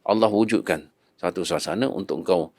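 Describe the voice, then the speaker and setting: A man's voice: low voice, brisk, darkish tone, no room sound. A man with a Malaysian Malay accent, a podcast guest, earnestly recounting his faith testimony and repeating his own past prayers.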